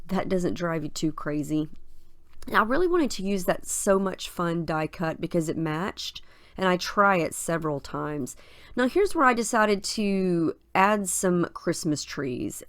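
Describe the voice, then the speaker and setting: A woman's voice, slightly low and made scratchy and nasal by a head cold. She talks in a relaxed, chatty way, thinking aloud as she goes. The sound is dry and close. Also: no room sound. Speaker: craft video host. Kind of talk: casual voice-over narrating a scrapbooking process.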